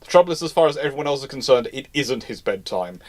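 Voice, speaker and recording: A man's voice: mid-range voice, expressive, fast talker, darkish tone. A man hosting an unscripted live question-and-answer chat, rambling and restarting his phrases mid-thought. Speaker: host of a live naval history question show.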